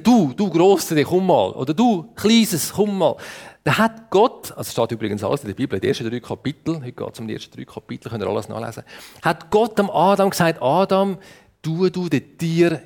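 Brief: male children's preacher, Swiss German accent, slightly raised voice, animated storytelling with questions to the kids. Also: a little high, quick pace, gravelly. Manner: playful, asks the audience questions. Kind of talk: lively storytelling sermon for children.

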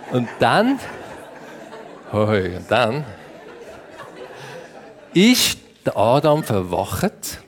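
A man with a Swiss German accent telling a Bible story to children in a playful, lively way and asking them questions. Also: medium pitch. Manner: playful, asks the audience questions.

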